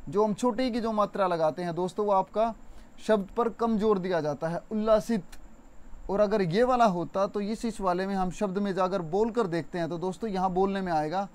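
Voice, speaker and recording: A young man teaching an exam-prep Hindi spelling lesson, chatty and repetitive, stretching words slowly to show stress. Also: high voice, a little mellow. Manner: addresses viewers as friends, conversational.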